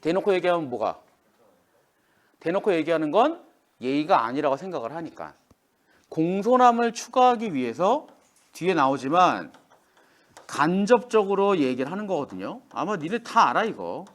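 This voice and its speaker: A man's voice: fairly high pitch, moderate pace. A man teaching a classroom lesson, speaking informally to students and acting out quoted lines. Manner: lively, acts out quoted lines. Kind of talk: classroom lecture.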